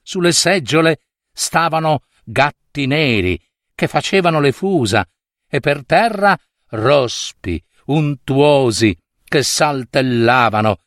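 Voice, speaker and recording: A man telling a dark fairy tale with slow, dramatic, expressive narration. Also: mid-range voice, no echo, clean studio sound. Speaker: storyteller.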